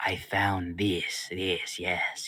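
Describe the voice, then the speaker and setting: The voice is a raspy, put-on character voice. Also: man. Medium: actual play. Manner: broken grammar, stammering repeats.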